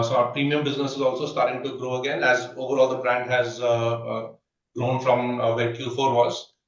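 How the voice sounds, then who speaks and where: A male executive walks through company results on an earnings call, stopping often on "uh" and starting sentences over. His voice sits at an ordinary middle pitch. He sounds distant and roomy, as if picked up from across a room, and the dull, muffled line takes the edge off his words. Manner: halting, many filler "uh"s and restarts. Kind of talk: earnings conference call commentary.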